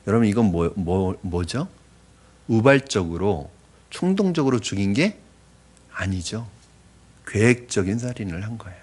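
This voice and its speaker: A man's voice: fairly low pitch, animated, normal speed, long pauses, slightly rough. A man preaching a conversational sermon as pastor, often asking the congregation questions. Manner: acts out polite apologies in a softened voice.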